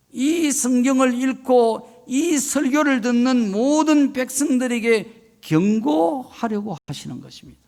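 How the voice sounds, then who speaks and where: A man's voice: extremely high pitch, vocal fry, darkish tone. An older man, a retired senior pastor, preaching a solemn, emphatic sermon of warning.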